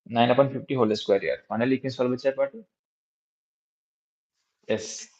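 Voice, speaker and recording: A man with a South Asian accent teaching a live physics lesson in a halting, repetitive way, often checking with his students. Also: medium pitch, a little mellow. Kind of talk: live exam-prep lesson, working through problems. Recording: dull lo-fi recording.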